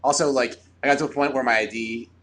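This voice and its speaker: Fast-talking young man rambling. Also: medium pitch, steady tone, fairly bright tone, a little hiss or hum. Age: 20s. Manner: rambling, talks fast with many fillers. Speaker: comedian. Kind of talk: casual chat. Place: bar.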